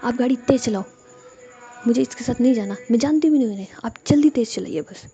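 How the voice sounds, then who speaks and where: A woman voicing an angry young woman who curtly brushes off her friend in quick, dismissive lines. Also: a little high, dark tone, lo-fi sound, soft background music, lightly acted. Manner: curt, fast, dismissive.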